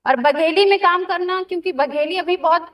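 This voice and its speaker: A woman's voice: very high voice, moderate pace, far from the mic. A woman actress talking earnestly about her work in an interview, with a Bagheli-region Hindi accent. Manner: steady, earnest, reflective. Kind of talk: casual interview talk.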